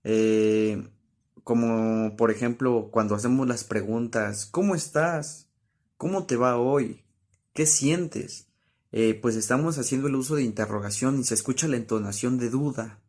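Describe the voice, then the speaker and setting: Young man, student presenter, mid-pitched voice, halting with filler sounds. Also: a little mellow. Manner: halting, many fillers and self-corrections. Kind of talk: study-review explanation.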